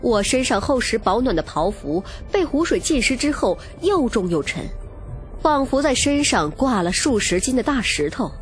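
A woman's voice: on the high side, very animated, moderate pace. A woman reading a romance novel as dramatic, scripted first-person narration. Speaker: audiobook narrator. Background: music.

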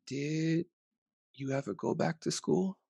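A man's voice: on the high side, slow, creaky, dark tone, no echo, pitched above the performer's own voice, full character voice. A man voicing an anxious, tender little boy in a storybook, asking questions in a plaintive, curious way. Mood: worried, tender.

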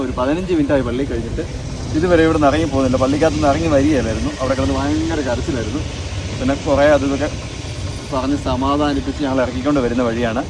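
A man's voice: medium pitch, noisy background. A man talking casually to viewers as a family vlogger, chatty and rambling, recorded outdoors by a car on a handheld phone. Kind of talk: casual vlog talk to viewers. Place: outdoors by a car after church.

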